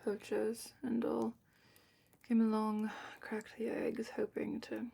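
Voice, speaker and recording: Female performer as dragon expert, ASMR roleplay. Hushed and matter-of-fact, breathy half-whisper with creaky edges, explanatory. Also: fairly high pitch, completely flat delivery, takes it slowly, full character voice. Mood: hushed, regretful. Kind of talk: soft-spoken fantasy ASMR roleplay, partly whispered.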